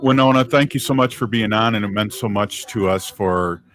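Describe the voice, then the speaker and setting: A man's voice: on the low side, normal speed. A man hosting a radio talk show in an easygoing way, speaking into a close studio mic. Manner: easygoing, warm thanks, brief affirmations. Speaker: radio host.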